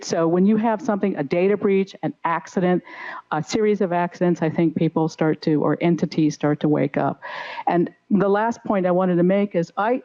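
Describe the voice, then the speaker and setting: A middle-aged woman speaking off the cuff as a conference panelist, in halting but emphatic phrases, into a handheld mic. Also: fairly low pitch, warm tone, highs cut off. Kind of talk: unscripted panel discussion. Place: on stage in a conference hall. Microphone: handheld microphone.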